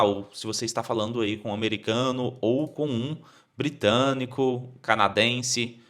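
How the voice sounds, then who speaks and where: A Brazilian man teaches an English lesson, his voice bright and lively as it rises and falls. He draws out each word slowly for learners to repeat. Between the drills he keeps checking in with quick questions. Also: medium pitch. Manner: explains in Portuguese with frequent check-ins like "tá?" and "ok?". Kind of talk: online language lesson.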